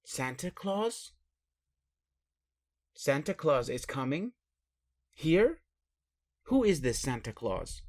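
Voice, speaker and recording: Man playing a slow-spoken, puzzled alien caretaker. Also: fairly high pitch, very animated, heavily acted. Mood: suspicious, puzzled. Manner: formal, halting, inquisitive, literal-minded. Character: puzzled, caring male alien caretaker aboard his spaceship. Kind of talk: roleplay audio addressed to the listener.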